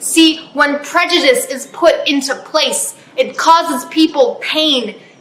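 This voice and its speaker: A raised, projected voice with an American accent speaks at a very slow pace. Noticeable background noise runs underneath. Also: woman. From US, born to Hungarian family. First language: Hungarian. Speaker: student speaker. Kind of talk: prepared speech.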